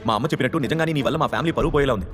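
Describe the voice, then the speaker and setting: A man's voice: mid-range voice, rapid-fire, long reverb tail, music in the background, close to an everyday voice. A man voicing a proud, angry young woman from a wealthy family who answers sharply and dismissively.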